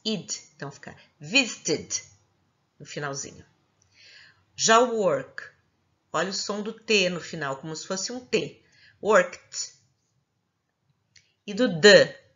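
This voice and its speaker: A woman's voice: mid-range voice, fairly bright tone, dull audio. A woman teaching a recorded lesson, explaining patiently step by step and checking in with her students. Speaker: English teacher.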